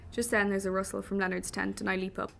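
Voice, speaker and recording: A woman's voice: medium pitch, completely flat delivery, fast talker, creaky, a bit bright, a little hiss or hum. A woman narrating a first-person audiobook in a wry, vivid manner. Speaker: audiobook reader.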